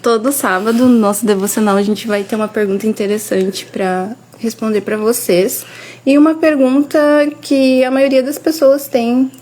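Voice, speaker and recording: A woman's voice: a little high, steady tone, normal speed, darkish tone. A woman from Brazil chatting casually with viewers on a family devotional livestream, searching for words as she talks. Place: home livestream.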